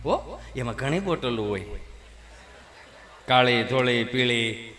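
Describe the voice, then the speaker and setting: A man's voice: medium pitch, takes it slowly, in a large hall, faint music behind. A man telling folk comedy stories to a live audience on a stage microphone. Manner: lively, conversational, addresses the audience. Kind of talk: stand-up folk comedy storytelling.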